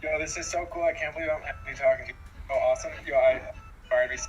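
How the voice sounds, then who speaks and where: A man's voice: medium pitch, racing, faint music behind. An eager male caller on an online voice chat, his voice chopping and cutting in and out. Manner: eager, excited fan. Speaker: caller on a live stream voice chat. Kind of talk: casual chat. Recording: muffled, choppy voice-chat line.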